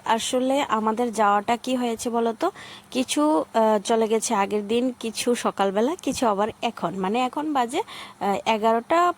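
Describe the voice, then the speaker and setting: Hoarse woman giving a vlog voice-over. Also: fairly high pitch. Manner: chatty, with many hesitant fillers. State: hoarse from a cold. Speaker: family vlogger.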